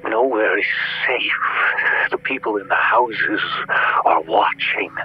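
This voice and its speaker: An actor playing a frightened, eerily resigned man calling emergency services in a horror audio drama, halting and ominous over a phone line. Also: fairly low pitch. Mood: fearful, haunted. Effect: phone line filter. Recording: muffled, noisy phone-call sound.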